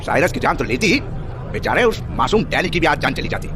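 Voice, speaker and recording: Self-righteous village man, high-pitched, swooping. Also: very animated, fast talker. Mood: earnest, insistent. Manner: scolding, harsh, accusatory. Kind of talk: Hindi horror audio drama acting. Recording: noisy crowd and street ambience behind.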